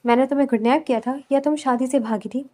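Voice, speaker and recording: A woman's voice: high-pitched, quick pace, a little mellow, natural voice. A woman reading a story and voicing a proud young husband who teases his new wife in a dry, mocking way.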